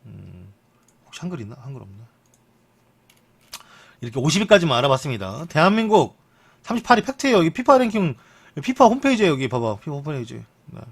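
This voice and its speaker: Young man, casual stream commentary, lively swooping pitch, slightly high voice. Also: brisk, vocal fry, pauses often, slightly rough. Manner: chatty, lively pitch, jokes and mutters asides. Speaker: streamer reading football news.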